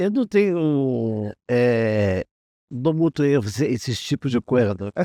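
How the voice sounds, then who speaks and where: A man's dark, mellow voice at medium pitch, very slow in pace, with a dry, close sound and no echo. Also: lively intonation. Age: 60s. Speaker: pastor. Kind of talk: testimony. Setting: studio.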